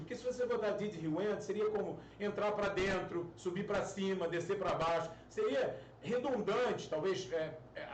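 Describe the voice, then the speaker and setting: A man who teaches English, giving an online grammar lesson and explaining with everyday analogies and repeated example sentences. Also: sits high. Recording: roomy echo, distant mic, faint hiss.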